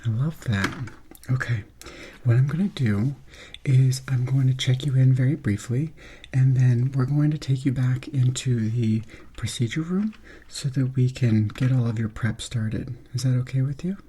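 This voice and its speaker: A soft-spoken man doing an ASMR roleplay in an unhurried, reassuring manner. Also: medium pitch, husky. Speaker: ASMR performer playing a substitute surgeon.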